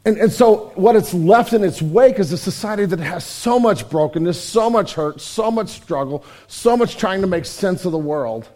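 A middle-aged pastor preaching in a church, his voice raspy and hoarse, earnest and emphatic with many repetitions. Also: sits high, expressive, normal speed, hardly any pauses, warm tone. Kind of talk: sermon. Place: church sanctuary.

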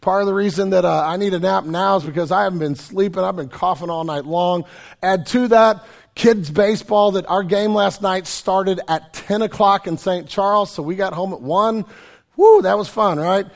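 A middle-aged man, preaching a sermon in a conversational, self-deprecating way with joking asides, his voice raspy and hoarse from a cold. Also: high-pitched, moderate pace. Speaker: pastor.

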